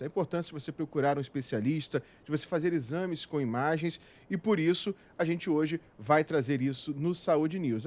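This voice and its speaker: A man with a Brazilian Portuguese accent hosting a health videocast in a podcast studio, upbeat and jokey. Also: on the high side. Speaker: radio videocast host. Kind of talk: show host intro and questions.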